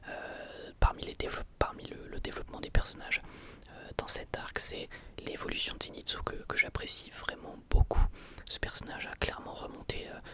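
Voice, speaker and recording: A person giving a casual ASMR review in a soft, breathy, unvoiced whisper, hesitating and repeating words.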